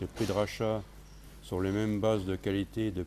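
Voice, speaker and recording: A man speaks at a moderate pace in a fairly low, somewhat breathy voice with monotone, flat intonation. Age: 60s. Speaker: dairy and poultry farmer. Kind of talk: casual interview. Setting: on a farm. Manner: hesitant, many fillers.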